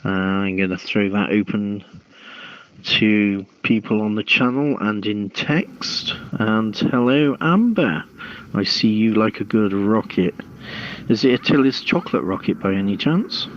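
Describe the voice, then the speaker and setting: A man hosting an online radio show, reading news and chatting in a measured, halting way. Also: fairly low pitch, a little hiss or hum. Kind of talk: reading news aloud, then informal hosting chat. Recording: muffled, lo-fi dry audio.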